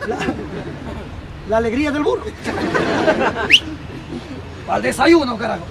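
A man's voice: extremely high pitch, animated, creaky. A man telling crude jokes in the street, often checking in with the crowd. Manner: rapid, crude, asks crowd for approval. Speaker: street comedian. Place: outdoor street. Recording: loud outdoor street crowd and traffic.

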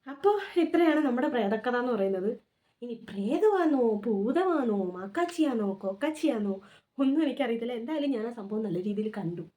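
Woman, 30s; mellow, slightly high voice; animated casual storyteller. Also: brisk. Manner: animated, lively retelling with frequent restarts. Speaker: vlogger.

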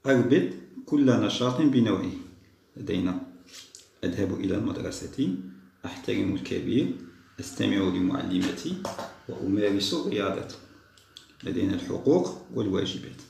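A man patiently walking young schoolchildren through a test, repeating each answer slowly. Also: fairly low pitch, lively intonation, vocal fry, a little mellow, echoey room, slight background noise. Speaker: teacher solving a school test. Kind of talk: step-by-step lesson for young children.

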